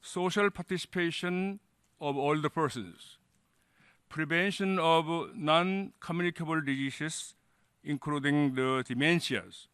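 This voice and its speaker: A man delegate at a conference, making a formal statement and pausing often with fillers. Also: a little high, fairly bright tone, clear, resonant tone, no room sound. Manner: halting, many uh fillers, formal. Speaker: delegate asking a question. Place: conference hall.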